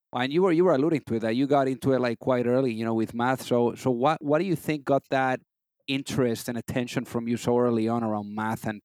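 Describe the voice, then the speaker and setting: A man's voice: mid-range voice, dry recording. A man hosting an interview podcast, chatty and informal, with plenty of "you know" fillers. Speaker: podcast host.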